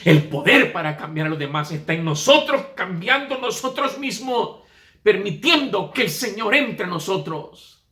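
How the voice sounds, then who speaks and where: Emphatic high-voiced male preacher. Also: normal speed, reverberant. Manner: animated, emphatic, story-driven. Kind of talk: sermon with storytelling.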